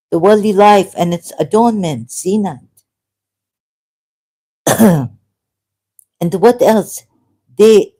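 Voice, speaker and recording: A woman's voice: medium pitch, mellow. A woman giving a solo commentary, reading verses aloud and thinking aloud as she argues. She breaks off mid-phrase and asks her listeners questions.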